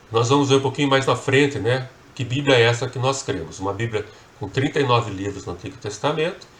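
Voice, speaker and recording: At a moderate pace, a man speaks at a medium pitch with audible room echo. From Brazil, São Paulo state. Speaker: Bible course teacher. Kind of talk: lecture. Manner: conversational, many fillers.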